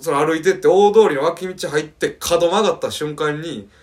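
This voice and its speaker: A young man with a Kansai accent, a comedian telling a story in casual chat, acting out the people in it with big jumps in his voice. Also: normal speed. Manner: animated, acts out quoted voices with big pitch jumps. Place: podcast recording with friends.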